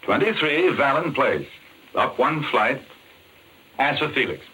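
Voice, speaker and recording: An actor playing a polite, well-spoken doctor in an old-time radio drama. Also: male voice, medium pitch, very animated, a little slow, sharp tone, slightly rough, exaggerated voice, low-quality recording. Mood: polite, curious. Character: polite male doctor drawn into a deadly game.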